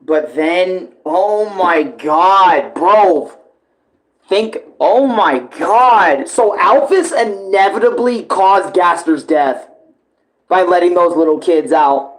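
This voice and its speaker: A man's voice: sits high, animated, slow, poor audio. A man giving casual live reaction commentary, slangy, exclamatory and full of swearing. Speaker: reaction streamer.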